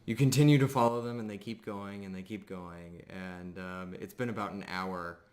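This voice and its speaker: A man narrating a tabletop game as game master, improvising in a casual, halting way. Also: low voice, fairly even intonation, a little mellow.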